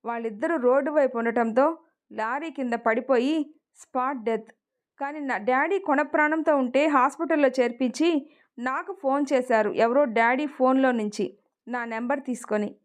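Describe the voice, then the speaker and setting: A woman's voice: sits high, normal speed, natural voice. A woman voicing a stubborn young heroine who lost her father, in an emotional story reading. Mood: sorrowful.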